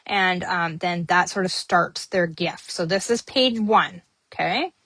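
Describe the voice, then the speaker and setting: A woman's voice: lowish voice, measured pace, sharp tone, no echo. Female craft host, talks with a friendly ramble while working, dry close mic. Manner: chatty, many ums, talks while working. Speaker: papercrafting host. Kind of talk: casual crafting tutorial.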